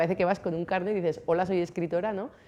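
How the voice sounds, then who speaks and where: In a Navarrese accent, a woman talks with fairly even intonation at a fairly low pitch. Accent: rural Navarrese. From Navarre, Spain (village). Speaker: novelist. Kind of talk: author talk. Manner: talkative.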